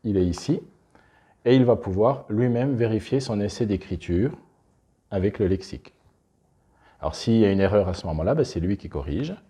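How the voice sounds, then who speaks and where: A man demonstrating classroom reading materials, explaining step by step in a relaxed, unscripted way with small restarts. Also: on the low side, normal speed, long pauses, husky. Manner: unscripted, restarts, talks while handling materials. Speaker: presenter demonstrating a teaching method.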